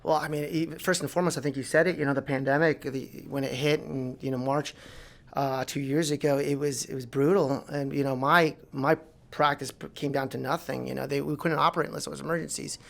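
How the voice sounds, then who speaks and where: Gravelly, animated man in his forties. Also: mid-range voice, brisk. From South Florida, United States. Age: 40s. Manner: animated, rambling with restarts and fillers. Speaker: guest, plastic surgeon. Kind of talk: casual interview talk. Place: podcast studio.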